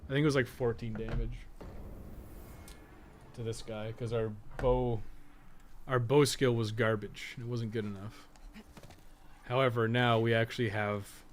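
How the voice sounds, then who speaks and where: Male gameplay commentator, average pitch, musing and self-questioning, conversational asides, slightly noisy recording. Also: level tone, a little slow, long pauses. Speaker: podcast co-host and game guide writer. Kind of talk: casual gameplay commentary, thinking aloud.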